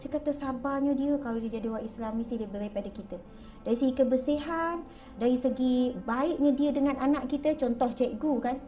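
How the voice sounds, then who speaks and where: Woman, Malaysian Malay accent, lively religious talk, distant mic. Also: high-pitched, a little fast, faint music behind. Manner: lively, chatty, asks the audience questions. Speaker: religious speaker. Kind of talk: lecture to a live audience.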